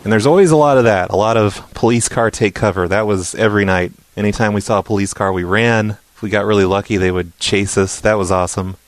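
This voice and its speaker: A man's voice: on the low side, steady tone, fast, few pauses, no room sound. A man giving casual, dryly sarcastic commentary over old home recordings. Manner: dry, sarcastic asides. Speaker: narrator of old home tapes.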